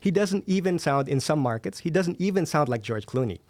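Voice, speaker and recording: A man's voice: on the high side, expressive, brisk, a little mellow, dry recording. A man speaking as a podcast guest, explaining things conversationally with examples and check-in tags in a studio. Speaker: podcast guest, media entrepreneur. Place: recording studio.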